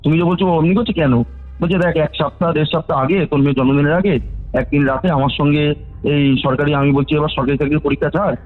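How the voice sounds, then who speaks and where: A man's voice: fairly high pitch, steady tone, quick pace. Male caller, 30s, narrates a personal account over a phone-like line, restarts often. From West Bengal, India. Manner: rambling, self-correcting, quotes others. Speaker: caller telling a ghost story. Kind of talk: phone-call storytelling. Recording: phone-line recording with faint music.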